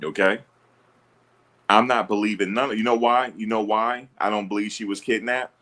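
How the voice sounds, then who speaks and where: A man with a very low, deep voice talks straight into his streaming mic. He answers his chat bluntly and sounds sure of himself, assertive and ready to push back. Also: fairly even intonation, moderate pace, bright, forceful tone. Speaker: livestream host. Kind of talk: livestream commentary answering chat. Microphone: streaming setup.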